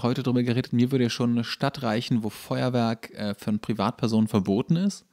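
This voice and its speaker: A man's voice: mid-range voice, fairly quick, mellow. Man with dry, quipping asides. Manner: dry quips and frequent short agreement. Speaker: podcast co-host. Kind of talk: casual chat.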